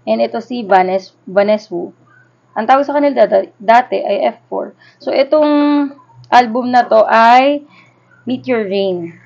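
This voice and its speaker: Unboxing a collectible for her vlog, a Filipino woman in her thirties speaks in Taglish, sounding nostalgic and relaxed. Her pitch is fairly high and a little mellow, with vocal fry, a measured pace, and frequent pauses. The recording is dull and lo-fi.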